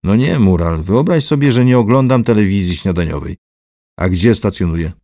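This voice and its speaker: A man's voice: fairly low pitch, lively intonation, moderate pace, dark tone, no echo, clean studio sound. A man voicing an arrogant, domineering middle-aged man who gives orders in a haughty, sardonic way. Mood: commanding.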